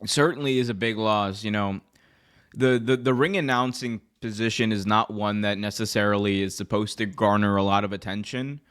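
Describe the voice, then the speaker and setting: Man, somewhat low voice, show host, casual news commentary, loose conversational phrasing, filler-heavy. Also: normal speed, fairly bright tone, clean tone. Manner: loose, frequent "like" and "you know".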